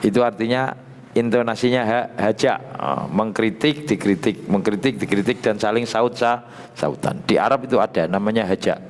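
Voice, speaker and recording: A man's voice: fairly low pitch, normal speed, slight background noise. A man with a Javanese accent, a boarding-school teacher lecturing on a religious text in a prayer room. He chants Arabic phrases, then translates them line by line. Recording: long reverb in a prayer hall.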